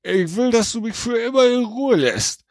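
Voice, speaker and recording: A man's voice: very high-pitched, expressive, normal speed, no echo, pitched above the performer's own voice. A man voicing a drunken, whiny male blacksmith who pleads and whines, recorded dry in a studio. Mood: wheedling. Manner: whining, pleading.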